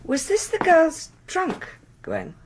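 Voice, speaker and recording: An actress playing a curious, persistent, genteel mistress of a house in a radio drama, questioning and dramatic in manner. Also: female voice, very high-pitched, wildly swooping pitch, slow, background noise, exaggerated voice. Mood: intrigued, probing.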